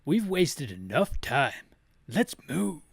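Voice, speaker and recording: A man voicing an earnest, defensive action-game hero, reading the dialogue in a deliberate, emphatic way. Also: fairly high pitch, big pitch swings, creaky, breathy edge, no room sound, clean studio sound, exaggerated voice. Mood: urgent, resolute.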